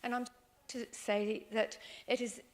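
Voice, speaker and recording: A woman speaking from the floor at a meeting, measured and deliberate. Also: on the high side, little pitch movement. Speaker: meeting attendee.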